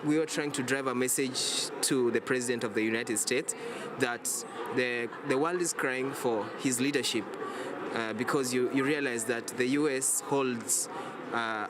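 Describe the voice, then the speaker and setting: A man's voice: mid-range voice, fairly even intonation, normal speed. A young man from Kenya, a student climate activist, speaking earnestly in a street interview. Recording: loud noise behind, outdoors.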